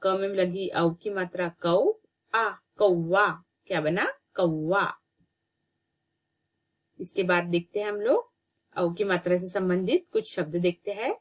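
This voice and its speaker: A woman teacher giving a children's reading lesson, sounding out syllables slowly and repeating each word patiently. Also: on the low side. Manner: slow, drawn-out syllables, patient repetition.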